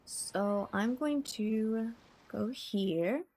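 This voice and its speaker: A woman hosting a livestream, chatting casually to her viewers in a gentle, appreciative way. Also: a little high, very slow. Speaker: livestreamer host.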